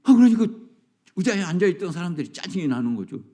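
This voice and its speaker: Dramatic high-pitched preaching pastor. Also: male voice, big pitch swings, fast talker. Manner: dramatic, swings from loud to whispered. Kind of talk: sermon at early morning prayer service.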